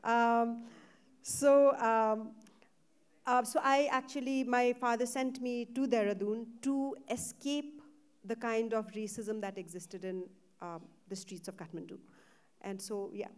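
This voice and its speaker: A woman from Nepal, a novelist being interviewed on a festival stage, talking reflectively with pauses and fillers. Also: on the high side, steady tone, smooth. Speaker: novelist, guest. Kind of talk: literary panel interview.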